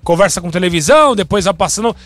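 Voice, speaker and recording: A man, hosting a sports talk show in a chatty, animated way, with frequent restarts. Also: high voice, fast, no room sound.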